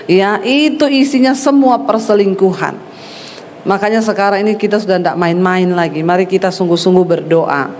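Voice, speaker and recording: A woman's voice: medium pitch, moderate pace, darkish tone, a little hiss or hum. A middle-aged woman pastor preaching a sermon, telling stories and acting out quoted voices with blunt force. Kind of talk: sermon with storytelling. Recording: echoey hall reverb.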